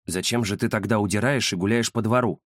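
A man voicing a quiet, puzzled black male cat who speaks softly and thoughtfully in an audiobook. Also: on the low side, steady tone, fast, dry recording, studio quality, natural voice. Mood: pensive. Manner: soft, thoughtful, hesitant. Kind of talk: audiobook character voice.

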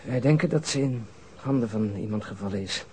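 Low-voiced, weary police detective played by a man. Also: brisk, dark tone, slight background noise, close to an everyday voice. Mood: gentle, grave. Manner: terse, matter-of-fact, subdued. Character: weary, reluctant, sober male police detective. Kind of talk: radio crime drama dialogue.

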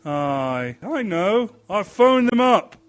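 A man doing a loud, gruff, irate neighbor. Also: high-pitched, very animated, takes it slowly, pitched above the performer's own voice, exaggerated voice. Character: grumpy, belligerent male neighbor. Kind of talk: audiobook character voice.

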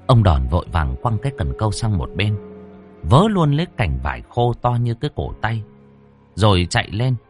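Lively male storyteller. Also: lowish voice, normal speed, faint music behind. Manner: vivid, expressive telling. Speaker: narrator. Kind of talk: dramatic storytelling narration.

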